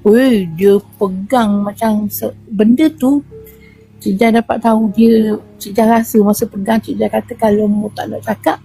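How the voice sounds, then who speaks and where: Woman storyteller, Terengganu Malay accent, slightly high but mellow voice, animated, acts out sounds. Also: measured pace, slightly rough, faint music behind. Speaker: guest recounting a spirit healing. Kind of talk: casual storytelling of a true horror experience.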